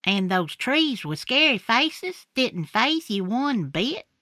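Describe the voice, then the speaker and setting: A woman voicing a steady, folksy country cartoon pony with an American Southern accent. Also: a little high, slow, no room sound, clean studio sound, exaggerated voice. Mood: matter-of-fact.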